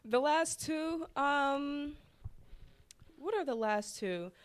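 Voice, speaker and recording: A woman in her late twenties, a podcast guest, calmly explaining her views at length in casual chat. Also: sits high, drawn-out words. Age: 20s.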